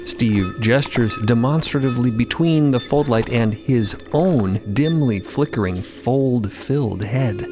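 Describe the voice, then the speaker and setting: A man narrating an audio drama in a deliberate, suspenseful scripted style. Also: medium pitch, over music.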